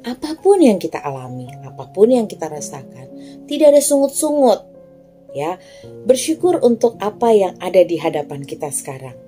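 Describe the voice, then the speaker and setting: A young woman teaching a Sunday school class, talking straight to the children in a lively, storytelling way. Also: medium pitch, moderate pace, soft background music. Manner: lively, addressing children directly.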